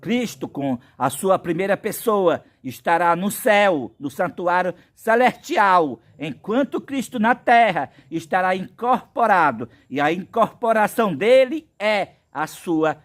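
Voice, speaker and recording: Pregador brasileiro de voz aguda e lenta. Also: male voice, sits high, expressive. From Brazil. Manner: slow, insistent preaching with many biblical references. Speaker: preacher. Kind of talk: prophetic sermon monologue.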